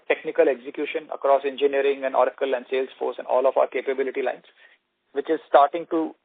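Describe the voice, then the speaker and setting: A man giving halting, measured corporate answers as an executive on an earnings call. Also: a little high, no echo. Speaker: company executive answering analysts. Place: conference call. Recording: narrow, dry telephone conference line.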